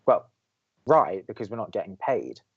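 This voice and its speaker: A man's voice: lowish voice, sing-song, moderate pace, gravelly, slightly rough, muffled recording, heavily acted. Dry, awkward young college radio guy. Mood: dry, wry. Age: young adult. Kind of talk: audio drama, bantering radio show.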